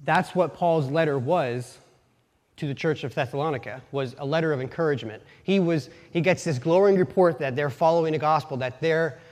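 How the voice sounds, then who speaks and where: A lay preacher from Pennsylvania, USA, with a light Pennsylvania Dutch accent tells personal stories in a casual, folksy sermon, teasing himself and halting to restart his sentences. His voice is a little high for a man, and the church sanctuary's long reverb trails after every phrase.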